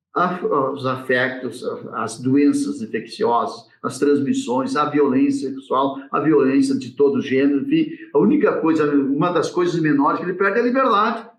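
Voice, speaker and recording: A man at a moderate pace with hardly any pauses, set in audible room echo. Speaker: law professor. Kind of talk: webinar panel discussion.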